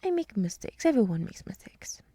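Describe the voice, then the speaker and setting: A woman playing a gentle, earnest deer woman in an ASMR roleplay, speaking in a soft, breathy, mostly whispered voice with an encouraging, rambling manner. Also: mid-range voice, big pitch swings, normal speed, dry recording. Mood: self-effacing, flustered.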